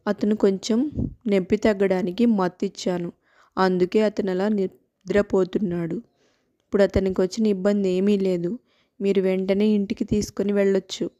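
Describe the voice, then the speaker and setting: A woman voicing a calm male doctor who explains matter-of-factly and reassures. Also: mid-range voice, dry recording, studio quality, lightly acted.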